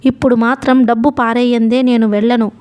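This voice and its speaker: A woman voicing a coarse, bullying male loan collector who shouts rudely, in a storybook reading. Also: on the high side, little pitch movement, a little fast, smooth, lightly acted. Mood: rough, scornful. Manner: loud, rude, shouting.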